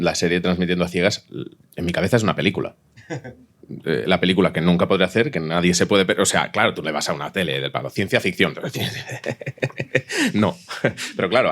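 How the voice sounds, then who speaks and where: A man's voice: deep voice, expressive, brisk. A man with a Spanish accent from Spain talks casually and colloquially in a panel discussion, explaining things vividly with some mild swearing. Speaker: audio fiction writer, panelist.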